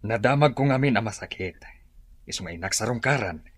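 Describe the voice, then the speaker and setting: An actor playing a steadfast tribal leader and reassuring husband in a radio drama, with a bright, husky voice. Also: male voice, fairly low pitch, lively intonation, a little fast, no echo.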